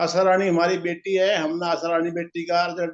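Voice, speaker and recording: The man's voice sits at a high pitch. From Haryana, India (Hisar). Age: 60s. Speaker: retired army and public works employee, nutrition customer. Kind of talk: testimony. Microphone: earphone lead removed, phone speaker used.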